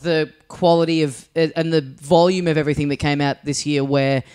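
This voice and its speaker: A man's voice: a little high, flat delivery, a little fast, darkish tone, clean tone. A man co-hosting a casual gaming podcast, talking loosely with dry jokes and many fillers. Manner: dry joking, lots of fillers. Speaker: podcast co-host. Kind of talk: casual chat.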